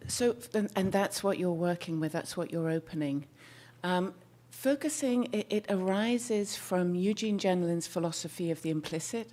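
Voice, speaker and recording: Soft-voiced woman therapist on a stage mic, low and mellow, searching for words now and then. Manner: soft-spoken, leans in to the mic; thoughtful, searching for words with small restarts. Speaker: therapist giving a talk. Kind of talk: presentation to an audience.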